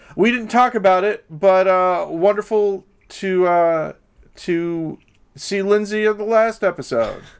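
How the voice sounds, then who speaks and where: This man has a high voice with ordinary pitch variation. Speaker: podcast co-host. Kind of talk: casual chat. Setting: remote call from basement.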